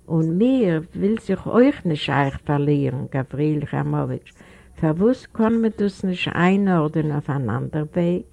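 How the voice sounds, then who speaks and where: A woman's voice: deep voice, animated, unhurried, creaky, dark tone, dull audio, heavily acted. A woman voicing a troubled, earnest young woman in an audiobook reading. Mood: pleading. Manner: hesitant, earnest.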